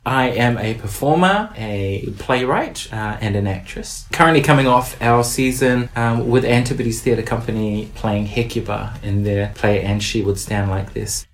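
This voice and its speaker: A woman's voice: a bass voice, a little slow, few pauses. A woman speaking as an interview guest, candid and reflective with a playful streak. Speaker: podcast guest, performer and playwright.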